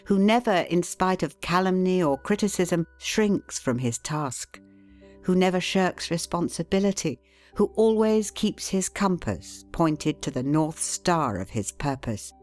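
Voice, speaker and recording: An audiobook narrator with a strikingly deep female voice reads a classic self-help book from a script. Her delivery is slow and deliberate, stressing key words and pausing steadily for emphasis, while gentle instrumental music sits quietly beneath.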